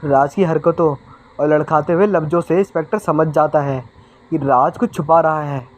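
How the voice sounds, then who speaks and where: A man's voice: a little high, fairly even intonation, moderate pace. A man narrating a horror story and reading out every character's lines himself.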